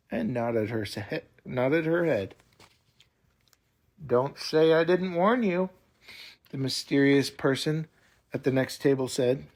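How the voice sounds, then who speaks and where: Expressive man reading a bedtime story. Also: medium pitch. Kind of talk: reading a children's bedtime story aloud, with asides to a listener.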